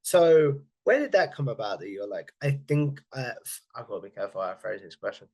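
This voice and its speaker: A man hosts an interview and asks long, careful questions. He often rephrases himself as he talks. His voice sits at an ordinary middle pitch. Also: sing-song, brisk, a little mellow, breathy edge. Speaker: podcast host.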